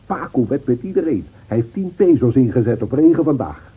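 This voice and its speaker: An actor playing a brooding village man in a radio play, measured and ruminative in his delivery. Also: mid-range voice, sing-song, husky. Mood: chatty. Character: brooding village man, neighbourly wine-sipping visitor. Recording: tinny, phone-like old radio play recording.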